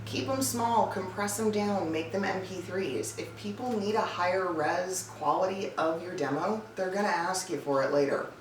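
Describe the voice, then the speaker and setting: Speaking at a normal rate with few pauses, a woman with a fairly low voice offers advice in a chatty, emphatic style. She hosts a scripted-feeling vlog as a voice-over coach and casting director, and the distant mic picks up echo and faint noise.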